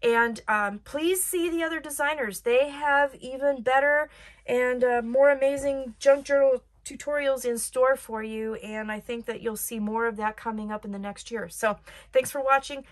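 A woman with a raspy voice hosting a casual craft tutorial, chatty and rambling with many ums. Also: fairly high pitch, no room sound.

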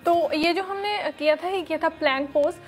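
A high-voiced young woman teaches yoga in a studio with dark curtains and a red floor. Her guidance is calm and sequential, frequently broken by filler pauses. Faint music plays behind the lapel-mic audio.

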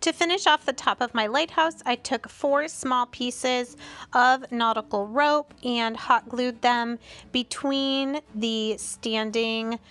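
A middle-aged woman narrating a home craft tutorial in a voice-over, calm and explanatory with small chatty asides. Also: on the high side, slow pace, smooth.

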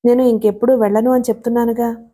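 A woman's voice: a little high, level tone, fast talker, warm tone, husky. A woman voicing a loving, anxious young wife who speaks earnestly and reproachfully.

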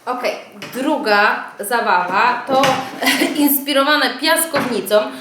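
A woman's voice: a little high, slow pace. A woman in her thirties, a mother vlogging at home, showing speech games to toddlers and chanting sounds for them. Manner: lively, sing-song sounds for toddlers. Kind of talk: casual vlog demonstration. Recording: echoey home room with noise.

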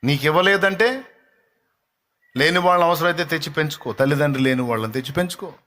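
Male preacher, high tense voice, impassioned repetition, fervent live sermon. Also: fast talker, bright, forceful tone. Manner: impassioned, repeats phrases, rebukes. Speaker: pastor.

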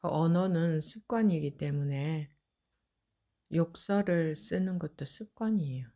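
A woman teaching as a Buddhist meditation teacher, answering a question calmly and explaining at length. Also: deep voice, unhurried. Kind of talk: dharma Q&A answer.

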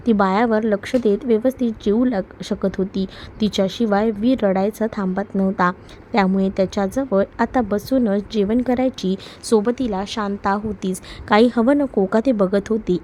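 A woman's voice: mid-range voice, dark tone, a little hiss or hum. A woman reading a romance story aloud, telling the narration and speaking both lovers' lines herself.

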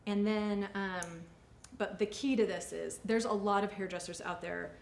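A woman's voice: medium pitch, steady tone, normal speed, vocal fry. A woman in her forties, a salon owner, talking casually and chattily as she teaches during a demonstration. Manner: chatty, informal. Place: indoor white-backdrop studio. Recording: echoey studio room, faint ambient noise.

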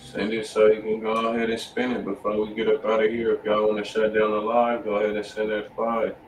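A man's voice: on the low side, monotone, brisk, noisy background. A man with an American accent bantering casually and in slang as a livestream co-host. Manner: slangy, informal. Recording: echoey, distant mic, music behind.

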